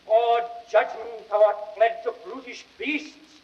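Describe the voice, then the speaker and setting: An actor playing a grieving, slyly ironic Roman orator, delivering a measured, impassioned speech in classical Shakespearean radio-drama style. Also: male voice, extremely high pitch, steady tone. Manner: declamatory, measured, rhetorical. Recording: dull vintage record sound.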